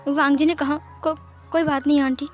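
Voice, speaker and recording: A woman's voice: high-pitched, level tone, fairly quick, faint music behind. A woman reading a fan fiction story aloud and speaking all the characters' lines in her own voice.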